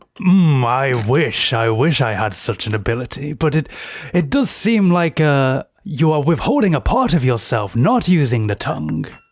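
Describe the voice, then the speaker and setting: Using a put-on character voice, a man speaks at a medium pitch and moderate pace with lively intonation. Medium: actual play. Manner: smooth, cryptic.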